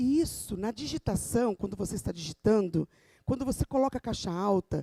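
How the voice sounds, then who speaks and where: In a dry, close sound with no echo, a woman speaks at a moderate pace with lively intonation. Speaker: teacher of young children giving a church talk. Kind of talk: church lecture.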